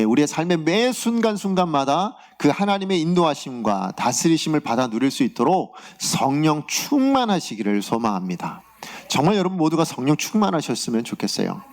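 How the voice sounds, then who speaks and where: A man preaching a Sunday sermon as pastor, in a conversational way, often asking the congregation rhetorical questions. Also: a little high.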